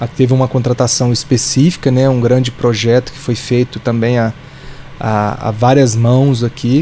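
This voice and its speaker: A man talks at a moderate pace in a monotone, flat delivery. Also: medium pitch for a man, very even loudness. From Brazil, Franca, São Paulo state. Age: 30s. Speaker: civil engineer and building infrastructure director. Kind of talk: interview. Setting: studio. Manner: halting, many repetitions.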